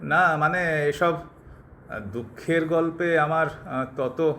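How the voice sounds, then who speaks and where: An actor playing a touchy, impatient doctor in an audio drama, speaking in a clipped way peppered with English words. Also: male voice, a little high, slow pace, a bit bright, a little hiss or hum. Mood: uneasy. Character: touchy, impatient young doctor, bored and uneasy listener. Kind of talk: Bengali audio drama acting.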